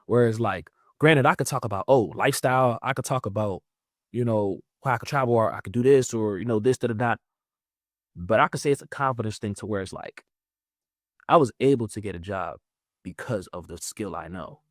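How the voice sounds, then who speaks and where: A man in his twenties, talking in a rambling, casual way, leaning on "like" with lively jumps in pitch. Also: brisk, dry recording, clean studio sound. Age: 20s. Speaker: guest. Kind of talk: casual interview chat.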